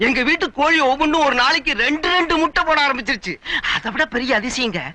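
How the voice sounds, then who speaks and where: A man's voice: very high voice, fast talker, bright, forceful tone, exaggerated voice. A man playing a gullible village poultry keeper in an older film, praising a holy man with earnest, fawning devotion. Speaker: devout villager and father. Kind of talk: 1980s film comedy acting.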